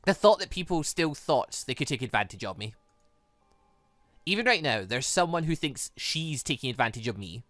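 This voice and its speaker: A man voicing a menacing, manipulative young woman villain in a visual novel, deliberate and coolly playful. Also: medium pitch, sing-song, fairly bright tone, no room sound, soft background music. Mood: sly, taunting. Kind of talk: visual novel character read-aloud.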